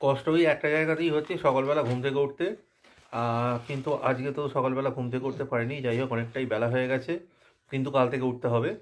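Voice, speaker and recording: A man with a slightly hoarse voice from a cold, chatting casually with his viewers in a home vlog. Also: mid-range voice, fairly even intonation, fast talker. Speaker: vlogger.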